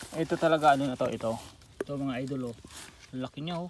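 With ordinary pitch variation, the man races along at a very fast pace. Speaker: vlogger. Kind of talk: casual vlog narration.

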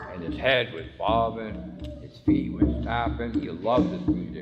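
Loud music plays in the background as the speaker talks at a fairly slow pace with hardly any pauses. The loudness swings widely. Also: man. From Canada. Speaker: storyteller and author. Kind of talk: storytelling to a live audience. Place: hall. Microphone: camera far.

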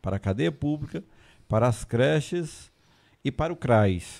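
A man uses lively intonation at a fairly slow pace over a quiet background. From Ceará, Brazil (Itapajé hills); Ceará, Brazil. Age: 50s. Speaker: municipal agriculture secretary; interview guest. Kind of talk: interview. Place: studio. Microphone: studio mic.

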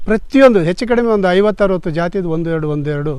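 A man's voice sits at a high pitch, with ordinary pitch variation. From Shivamogga district, Karnataka. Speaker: retired factory worker turned farmer and bodybuilder. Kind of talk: farm tour explanation.

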